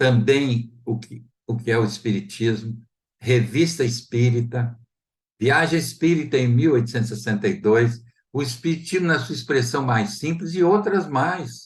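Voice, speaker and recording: The delivery is fairly slow and somewhat breathy. Its intonation is lively. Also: man, medium pitch for a man. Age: 80s+. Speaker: spiritist lecturer. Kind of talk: religious talk.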